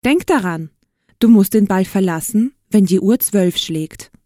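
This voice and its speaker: Two caring white birds from a fairy-tale storybook, read out by a woman, giving a firm, kindly warning. The reading is slow and warm, recorded dry and close. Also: mid-range voice, animated, no room sound, close to an everyday voice.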